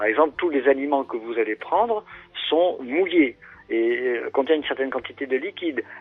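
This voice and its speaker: Music plays behind a man who talks at a moderate pace with a fairly high pitch and lively intonation. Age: 60s. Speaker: traditional Chinese medicine practitioner and author. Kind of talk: radio interview explanation. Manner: hesitant, many fillers and restarts.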